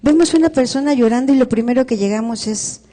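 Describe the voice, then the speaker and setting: A woman with a Mexican Spanish accent counsels a grieving audience, calm and instructive, and poses rhetorical questions. Her tone is warm and dark. The live recording carries a long hall reverb. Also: on the high side, fast talker. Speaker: grief counselor leading a workshop. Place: large hall at a live workshop.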